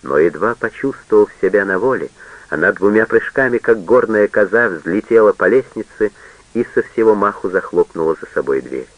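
Deep-voiced man reading a novel solemnly. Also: expressive, normal speed, no echo, muffled recording. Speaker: audiobook reader. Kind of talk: literary audiobook narration.

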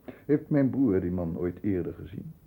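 An actor playing a composed, protective lawyer in a 1960s radio play, speaking formal, measured Netherlands Dutch. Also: male voice, low-pitched, expressive, husky, narrow, tinny audio, full character voice. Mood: controlled, probing. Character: composed middle-class lawyer, protective older brother, narrating. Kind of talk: 1960s Dutch radio play, first-person narration and dialogue.

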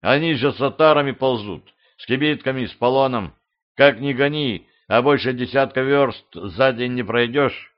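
A man voicing a gruff, commanding middle-aged boyar warrior in an audiobook, mocking and bold in manner. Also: medium pitch, moderate pace, natural voice. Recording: slightly dull lo-fi audio.

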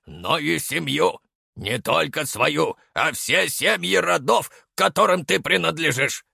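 A man voicing a loud, commanding old grandfather giving orders. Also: gravelly, no echo, studio quality, full character voice. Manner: booming, commanding.

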